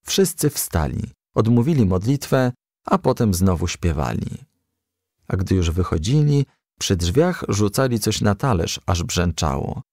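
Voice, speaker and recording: Gravelly low-voiced man reading a children's story. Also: a little mellow, dry recording, studio quality. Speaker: audiobook reader.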